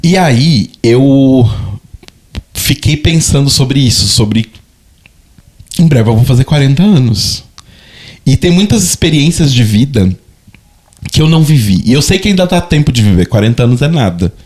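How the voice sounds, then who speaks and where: A man in his thirties with a Brazilian accent co-hosts a casual podcast chat in a darkish, mid-range voice that's animated yet marked by long pauses, at a moderate pace. Reflective and hesitant, he often repeats words while hunting for them.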